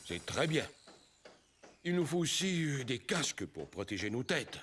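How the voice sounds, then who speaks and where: A man voicing a kindly, agreeable grandfather who pauses as he explains, in a French children's cartoon. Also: medium pitch, sing-song, noisy background.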